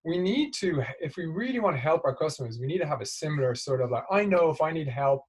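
A man's voice: fairly high pitch, expressive, fast talker, breathy edge. A man speaking as an executive guest in a business interview, explaining conversationally and often checking in with tag questions.

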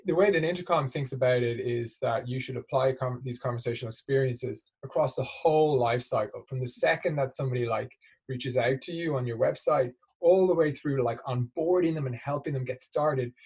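A man's voice: medium pitch, a little fast, darkish tone, slightly rough. A man speaking as an executive guest in a business interview, explaining conversationally and often checking in with tag questions.

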